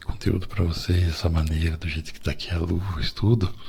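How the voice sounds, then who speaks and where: This man's voice sits very deep and low, with vocal fry, moving at a moderate pace. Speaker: ASMR content creator. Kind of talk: casual talk to camera, Q&A answers. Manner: talkative, relaxed, speaking at conversational pace.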